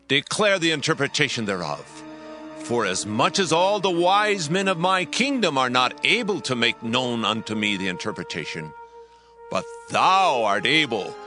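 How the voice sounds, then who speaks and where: A man's voice: medium pitch, pushed and bright. An actor playing a proud, grandiose king of Babylon in a dramatized scripture reading, declaiming dramatically.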